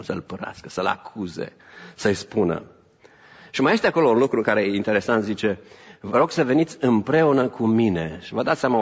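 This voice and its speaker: A man preaching a sermon to his congregation, moving between raised emphatic lines and quieter asides, with a few English phrases mixed in. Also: lowish voice, slightly rough. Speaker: pastor. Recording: reverberant hall, dull lo-fi sound.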